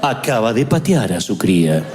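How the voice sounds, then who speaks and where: A man voicing a male wildlife documentary narrator who speaks in a flat, monotone way. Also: lowish voice, moderate pace, voice pushed down. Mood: droning. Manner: monotone, droning delivery.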